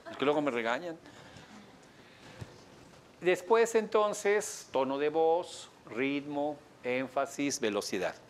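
A man lecturing a coaching workshop, asking the audience questions and acting out a client's lines in a higher voice. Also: a little hiss or hum. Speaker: coaching instructor.

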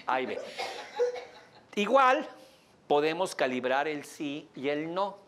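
A man with a Mexican Spanish accent leads a workshop in front of a group, explaining exercises in a lively, joking way and laughing now and then. His voice sits a little high for a man. A faint hiss of room noise runs under the recording. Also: slow pace. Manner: lively, jokey, laughs often while explaining. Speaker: workshop instructor. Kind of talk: live workshop demonstration. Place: training room with an audience.

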